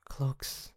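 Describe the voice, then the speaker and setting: A man playing an earnest, emotional young hunter in an audio drama, speaking haltingly with stammers. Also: darkish tone, no room sound, clean studio sound. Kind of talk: dramatic audio roleplay acting.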